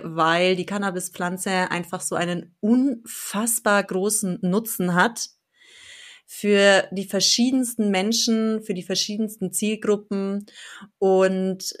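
A woman's voice: medium pitch, a bit bright. A woman in her thirties from the Allgäu in southern Germany, speaking earnestly and enthusiastically as an interview guest. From Allgäu, Bavaria, southern Germany. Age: 30s. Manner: enthusiastic, earnest, laughs easily. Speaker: interview guest, blog founder and editor. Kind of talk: conversational podcast interview.

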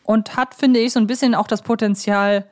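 A woman's voice: a little high, fairly even intonation, a little fast, darkish tone. Woman co-hosting a conversational podcast. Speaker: podcast host. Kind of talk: conversational fan podcast discussion.

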